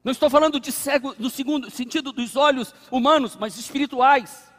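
A Brazilian man preaching a sermon as pastor, dramatic, dropping to a hush and building to loud climaxes. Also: very high-pitched, brisk. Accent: Brazilian Portuguese. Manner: dramatic preaching, acts out voices in anecdotes, swings from hushed to loud. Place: church sanctuary. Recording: long hall reverb.

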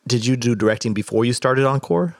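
A man's voice: medium pitch, fairly quick, no room sound. A man hosting an interview, asking curious questions that restart and wander. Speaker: interviewer host.

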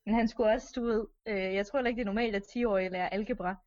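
A woman's voice: medium pitch, fairly even intonation, a little mellow, lo-fi sound. A woman improvising a story in a rambling, hesitant way, with lots of fillers.

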